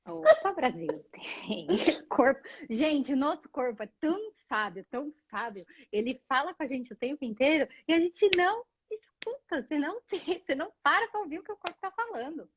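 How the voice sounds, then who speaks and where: A Brazilian woman, a guest on a live stream, telling stories in a casual, animated way and acting out the lines of the people in them. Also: high-pitched, moderate pace, highs cut off. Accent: Brazilian Portuguese. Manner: animated storyteller, acts out dialogue.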